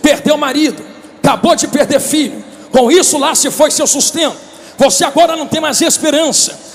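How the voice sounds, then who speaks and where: A man with a Brazilian accent preaching a conference sermon as a pastor, impassioned and often shouting. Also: very high-pitched, fairly quick. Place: large convention hall. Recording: long reverb of a big hall.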